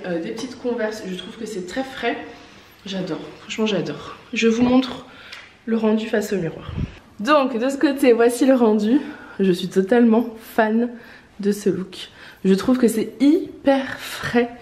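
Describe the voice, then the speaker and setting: A woman's voice: medium pitch, a little mellow, reverberant. A woman who owns a clothing shop, chatting casually in a try-on vlog, her voice congested from a lingering cough, with many fillers and eager praise for outfits. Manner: chatty, filler-heavy, enthusiastic about outfits. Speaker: online clothing shop owner. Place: indoors, in front of a mirror.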